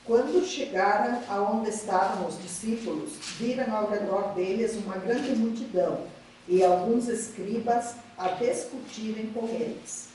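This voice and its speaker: A woman reading Bible verses aloud at a steady, measured pace to a study group. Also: medium pitch. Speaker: scripture reader. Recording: distant voice in a very echoey hall, faint noise.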